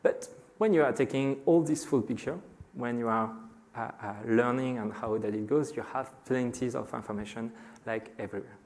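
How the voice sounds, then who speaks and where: A middle-aged man from France with a French accent, giving a conference talk to a live audience and pausing often on filler sounds. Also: mid-range voice, a little mellow. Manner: frequent hesitations with many "uh" fillers. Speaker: conference speaker.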